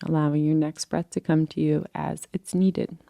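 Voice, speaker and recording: A meditation guide with a low, dark, mellow voice, gravelly fry at the edges, leads a relaxation practice in a level tone. She is gentle, unhurried, soothing, and patient, giving soft permission with each instruction, in a dry recording.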